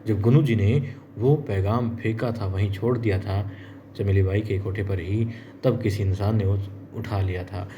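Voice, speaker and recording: A man tells the story of a TV episode in a casual, chatty way, turning to his viewers as friends and acting out what the characters say. His voice is warm and somewhat low, with a faint noise in the background. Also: steady tone, moderate pace, highs cut off. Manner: chatty, addresses viewers as friends, acts out quotes. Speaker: TV serial episode recapper.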